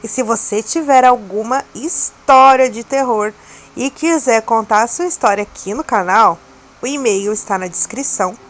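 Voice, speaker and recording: A woman's voice: on the high side, slight background noise. A woman with a Brazilian accent reading a scripted announcement for an online channel.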